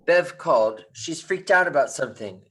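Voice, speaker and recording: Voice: mid-range voice, animated, normal speed, slightly rough. A performer reading an earnest, hesitant teenage boy who stammers, in a virtual table read. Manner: stammers on words.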